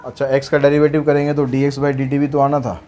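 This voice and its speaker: A man's voice: medium pitch, little pitch movement, fast, warm tone, slight background noise. A man teaching maths, walking through worked problems in a chatty way with asides and jokes. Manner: chatty, mixes English terms into speech, light jokes.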